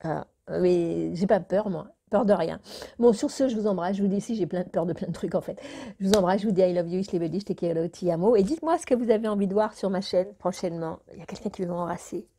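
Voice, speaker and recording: A woman's voice: fairly low pitch, fast, mellow. A woman vlogger chatting casually to her viewers in a rambling way, now and then talking to her cat. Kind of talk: casual chat to camera.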